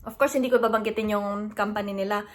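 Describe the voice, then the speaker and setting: A young adult woman from the Philippines, vlogging casually and retelling an upsetting phone call with animated, indignant asides. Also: mid-range voice, fast. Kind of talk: casual storytelling vlog.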